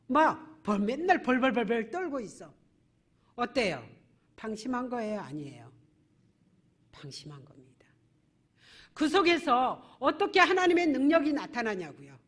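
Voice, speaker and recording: A woman pastor preaching a sermon at a church service, posing rhetorical questions to her congregation. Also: high-pitched.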